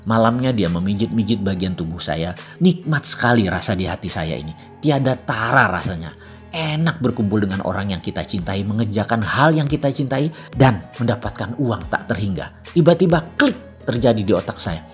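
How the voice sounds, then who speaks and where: A man's voice: lowish voice, expressive, moderate pace. A middle-aged man narrating a personal story in a reflective way, acting out his own inner voice. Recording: faint music underneath.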